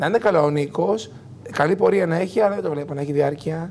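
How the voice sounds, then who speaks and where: A man talks at a moderate pace in an animated tone. His intonation is lively, with light background noise behind him. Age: 40s. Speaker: TV talk show guest; talk show guest. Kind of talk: heated TV interview. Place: studio. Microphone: lapel.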